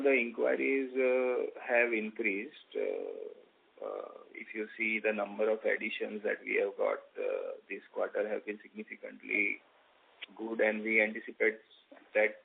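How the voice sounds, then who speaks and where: A man with an Indian accent speaking as a company executive on an earnings call, in halting, formal, measured phrases. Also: on the low side, big pitch swings, gravelly, husky. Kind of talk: earnings call presentation and answers. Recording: dull band-limited conference call audio.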